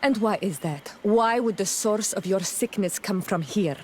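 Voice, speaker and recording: An actress playing an earnest, proud young tribal guide in a video game, explaining things solemnly. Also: female voice, medium pitch, measured pace, a little hiss or hum, lightly acted. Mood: solemn, guarded.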